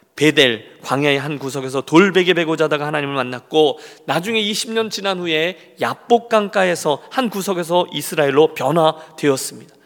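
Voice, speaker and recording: A man talks with lively intonation at a fairly high pitch. Noticeable background noise runs underneath. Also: moderate pace, hardly any pauses. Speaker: senior pastor of an immigrant church. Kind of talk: sermon. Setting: church service.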